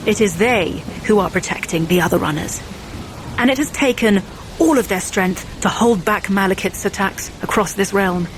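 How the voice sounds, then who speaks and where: An actress playing a stern, commanding Asgardian warrior in an audio drama, solemn, urgent and rousing. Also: female voice, mid-range voice, slight background noise, lightly acted, poor audio.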